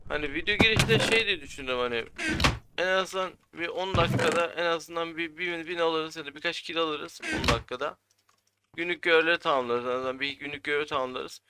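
A man's voice: a little high, a little fast. A young man giving casual gameplay commentary as a gaming YouTuber. He keeps grumbling and repeating how frustrated he is. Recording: loud background noise.

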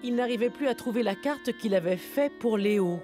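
A woman's voice: fairly high pitch, lively intonation, moderate pace, mellow, soft background music. A woman narrating a scripted children's story as the narrator of a cartoon.

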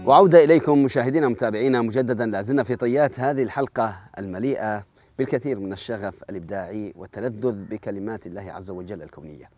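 A man's voice: fairly low pitch, rapid-fire, mellow, faint music behind. A man hosting a TV contest show, speaking formal Arabic, addressing viewers and praising the contestant. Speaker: TV show host. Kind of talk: formal broadcast presenting.

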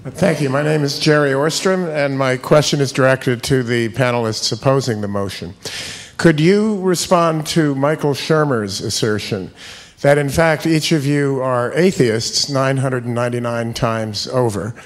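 A man in the audience with a mid-pitched voice puts a carefully worded question to the panel. He speaks in a formal, measured way.

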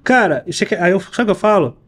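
A man's voice: sits high, quick pace, husky. A man hosting a podcast in casual chat, telling frank stories and acting out what other people said. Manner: animated storyteller, quotes people in their own voices; slangy and frank. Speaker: podcast host.

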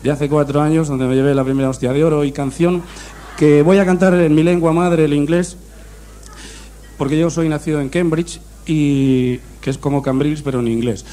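A man's voice: on the high side, normal speed. A man doing a mock-serious comic monologue full of puns. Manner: deadpan punning humor, mock-serious delivery. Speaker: comedian.

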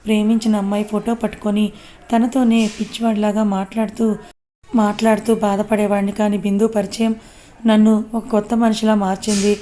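A woman's voice: mid-range voice, little pitch movement, brisk, warm tone, lightly acted. A woman voicing a lovesick young man who insists and defends the girl he cares for.

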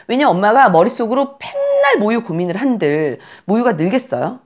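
A woman teaching new mothers about breastfeeding, direct and emphatic, giving blunt commands and acting out scenes. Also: lowish voice. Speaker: postpartum care and breastfeeding instructor. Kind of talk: coaching lesson to new mothers.

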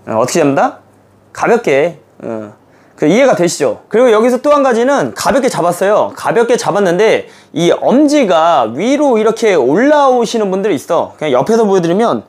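A man with a high, lively voice gives a badminton lesson to camera. He talks casually and demonstratively, full of small fillers as he shows each move. His pitch swings widely from phrase to phrase. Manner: animated, demonstrative, many fillers like "이렇게" and "아". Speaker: badminton coach.

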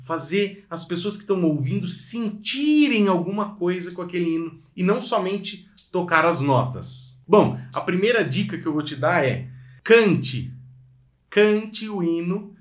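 A man's voice: high-pitched, a little slow, roomy sound. A man with a Brazilian Portuguese accent, giving an online violin lesson, speaking straight to the viewer with energy. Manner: energetic, addresses viewer directly, sings phrases to demonstrate. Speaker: violin teacher.

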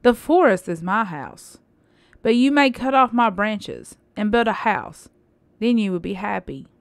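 A woman voicing a loving, selfless female apple tree in a storybook, with a gentle, giving manner. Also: medium pitch, expressive, measured pace, gravelly, no echo. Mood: generous.

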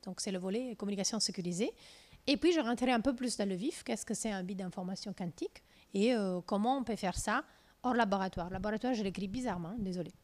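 A woman from southern Italy in her thirties with an Italian accent, giving a lively physics lecture in a lecture room through a handheld mic, with many fillers and restarts. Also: medium pitch, quick pace. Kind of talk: lecture with slides.

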